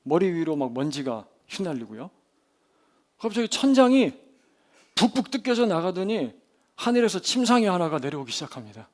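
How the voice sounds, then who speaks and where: A man, a pastor, preaching a sermon in a church service, telling the story vividly, asking the congregation questions and swinging between loud and quiet. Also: high voice, big pitch swings, moderate pace. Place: church sanctuary during a service.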